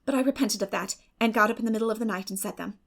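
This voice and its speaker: A woman acts out a romantic young schoolgirl in a storybook reading. Her voice is high and earnest, gushing along breathlessly with dreamy feeling. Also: very fast. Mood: anxious, earnest. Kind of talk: dramatic audiobook character reading.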